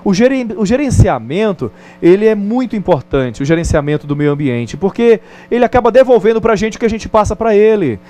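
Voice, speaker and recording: Light-voiced Brazilian teacher. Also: male voice, high voice, very animated, a little fast, hardly any pauses, dark tone. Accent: Brazilian Portuguese. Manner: conversational, often checks in with "tá?". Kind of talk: recorded distance-learning lesson.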